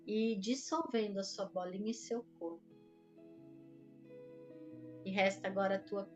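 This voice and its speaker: A woman with a Brazilian accent leading a guided meditation as an instructor, giving gentle step-by-step instructions with long pauses. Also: medium pitch. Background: music.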